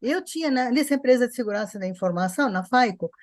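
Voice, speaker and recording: A woman talks on a discussion panel in a higher-pitched voice, dry and close to the mic. She makes her points emphatically, with ironic asides. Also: expressive, fast, dry recording. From Brazil. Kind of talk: casual panel chat.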